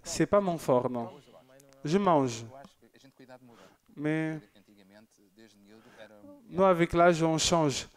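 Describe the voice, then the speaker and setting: A man's voice: a little high, drawn-out words, pauses often. A man presenting a church TV program, reading out viewer messages in a chatty, joking way with loose asides. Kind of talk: casual broadcast chat reading viewer messages.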